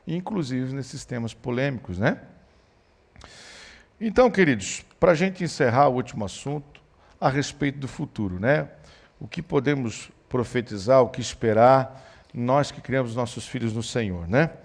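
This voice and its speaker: Male pastor, gravelly, storytelling teacher, mid pitch. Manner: storytelling, animated when quoting his son. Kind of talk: church teaching on parenting.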